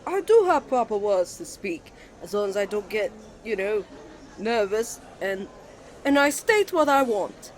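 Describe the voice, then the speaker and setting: Man acting an earnest, high-voiced, flustered young twin. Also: sing-song, measured pace. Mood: flustered, defensive. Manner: nervous, stammering, earnest. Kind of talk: ASMR romantic roleplay acting.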